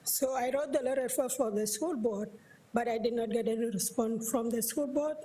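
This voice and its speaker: A woman in her thirties from South Sudan reads her letter aloud at a meeting, her high voice stumbling through restarts as she goes. A faint hiss runs under the recording. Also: normal speed, dark tone. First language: a South Sudanese language. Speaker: parent speaking at public comment. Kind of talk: reading a prepared letter aloud.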